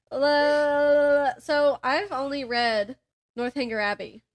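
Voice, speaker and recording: A woman's voice: high voice, fairly even intonation, very slow. A woman podcast co-host having a casual, informal chat about books.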